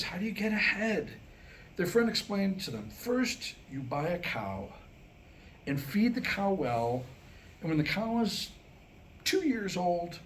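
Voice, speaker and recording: A man telling Jewish jokes to a small live gathering as a storyteller, acting out the dialogue. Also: fairly high pitch. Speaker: joke teller at a staged script reading. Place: live staged reading in a room. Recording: noisy live room recording.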